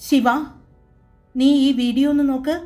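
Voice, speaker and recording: A woman doing an eager young detective in a spoken drama, high and urgent as he presses for answers. Soft music sits behind the voice. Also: flat delivery, a little slow. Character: tense young male crime branch detective.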